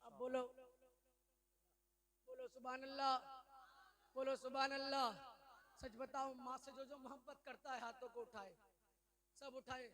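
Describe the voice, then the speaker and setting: A man preaching a sermon to a large gathering, swinging from hushed talk to shouting. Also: extremely high pitch, flat delivery, long pauses. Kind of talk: Urdu religious sermon. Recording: live event with crowd noise.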